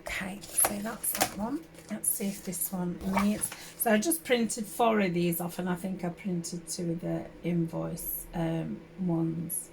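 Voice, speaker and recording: A sounding woman with a gravelly, slightly hoarse voice from a summer cold talks through a crafting project at her table. She rambles in a friendly, unpolished way, full of fillers and self-corrections, with a faint hiss under the home recording. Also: lowish voice, steady tone, unhurried, few pauses. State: sore throat from a summer cold. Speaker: craft channel host. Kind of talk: casual crafting tutorial.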